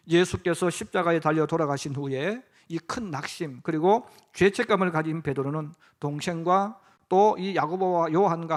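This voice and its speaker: Middle-aged pastor guy preaching, high voice, acts out the quotes. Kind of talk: sermon.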